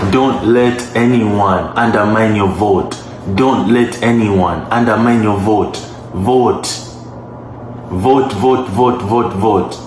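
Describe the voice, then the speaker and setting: A man's voice: lowish voice, a little mellow, slight background noise. A man delivering a political rally speech, pressing his point through insistent, repeated exhortations. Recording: echoey, with faint music behind.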